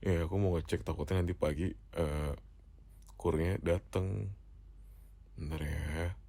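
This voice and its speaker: A man's voice: deep voice, fairly even intonation, unhurried, vocal fry, mellow, no room sound. A young man with an Indonesian accent, doing a whispered role-play as a playful, teasing husband who laughs often. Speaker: ASMR roleplay host.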